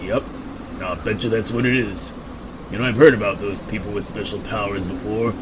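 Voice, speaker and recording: A man's voice: lowish voice, fairly even intonation, background noise, natural voice. A man playing a suspicious, desperate backwoods drifter with a folksy, accusing manner in an amateur radio drama. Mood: suspicious, taunting. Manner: folksy, accusing, drawn-out taunting.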